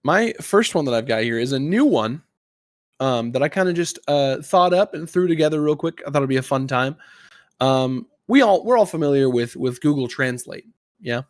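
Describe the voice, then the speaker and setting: Male podcast host, casual quiz-master delivery, mid pitch, very dry recording. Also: lively intonation, normal speed, no room sound. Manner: informal, conversational. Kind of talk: casual gaming podcast chat, explaining a quiz game.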